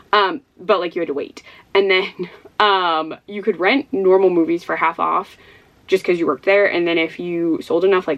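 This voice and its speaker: A woman's voice: fairly low pitch, lo-fi sound. A young woman from Ohio with a Midwestern accent, chatting casually to camera as a book vlogger, rambling and giggling with lots of fillers. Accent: Midwestern American. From Ohio, USA.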